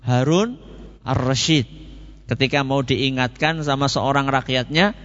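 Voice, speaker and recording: A man's voice: mid-range voice, a little slow, a bit bright, big-room sound, lo-fi sound. A man giving a Quran commentary lecture, telling stories and asking questions he answers himself. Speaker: preacher.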